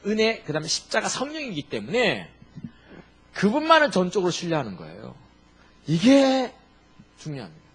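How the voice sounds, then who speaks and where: Husky, animated Korean male pastor preaching. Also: a little high. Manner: emphatic preaching with rhetorical questions to the congregation. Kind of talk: sermon.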